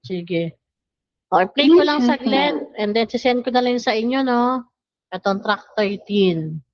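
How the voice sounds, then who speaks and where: A woman teaching pronunciation in an online language lesson, drawing out syllables slowly for her students to repeat. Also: a little high, expressive, dry recording. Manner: slow, drawn-out syllable drills. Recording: dull lo-fi sound.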